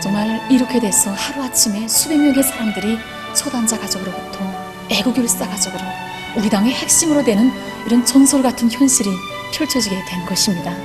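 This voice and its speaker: A woman's voice: fairly high pitch, a little fast, music in the background. A woman with a North Korean accent explaining formally in an earnest, reverent, emphatic way.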